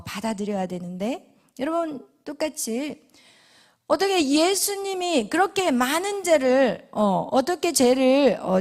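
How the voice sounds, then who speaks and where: A woman pastor preaches with a voice that sits high, asking the congregation questions and answering them in a hushed whisper, broken by sudden emphatic rises.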